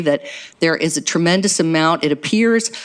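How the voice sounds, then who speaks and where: Noticeable background noise runs under the recording. A woman with a fairly low pitch talks at a very fast pace. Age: 60s. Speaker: resident speaking at council meeting. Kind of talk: public meeting statement. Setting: town hall council meeting. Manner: formal.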